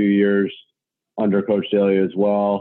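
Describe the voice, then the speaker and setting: A man with an American accent speaks in a fairly low pitch. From Massachusetts, Cape Cod. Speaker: lacrosse recruiting consultant and coach. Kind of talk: casual interview.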